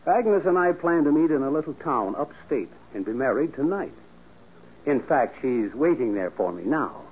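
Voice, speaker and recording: A man playing a smooth, self-assured criminal blackmailer with a suave, mocking theatrical manner in a 1940s radio crime drama. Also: mid-range voice, very animated, moderate pace. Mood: smug. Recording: muffled, tinny old radio recording.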